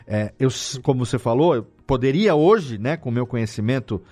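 A Brazilian man talking casually as an interviewed audio editor, explaining things in an animated way with rhetorical questions. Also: medium pitch, brisk, soft background music. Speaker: audio drama editor and podcast guest.

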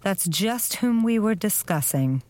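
A woman's voice: medium pitch, animated, measured pace, a little mellow, no room sound, close to an everyday voice. A woman acting in an audio drama as a dry, disdainful criminal magnate who delivers cool, sardonic put-downs. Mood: cool, skeptical.

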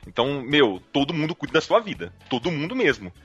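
Um homem convidado de um podcast, em conversa descontraída, falando de forma enfática. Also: male voice, a little high, very animated, brisk, a bit bright, breathy edge, dull audio, soft background music. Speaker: podcast guest. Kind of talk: casual podcast chat.

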